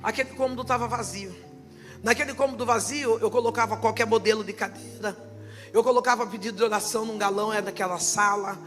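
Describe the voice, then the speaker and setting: A woman pastor preaching a sermon with passion, often swelling into shouts. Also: a little high, steady tone, fast, soft background music.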